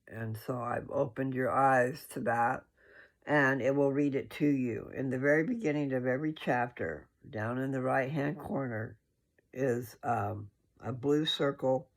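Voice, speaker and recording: Here a sleepy, yawning man with a mid-range voice and vocal fry reads and discusses scripture for his followers. He talks casually in a folksy, rambling way, frequently correcting himself.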